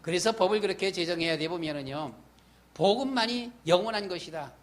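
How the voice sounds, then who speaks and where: A middle-aged pastor preaching a sermon with emphasis and repeated rhetorical questions in a church sanctuary. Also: male voice, sits high, expressive, a little fast. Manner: acts out his own past and inner voice in quotes.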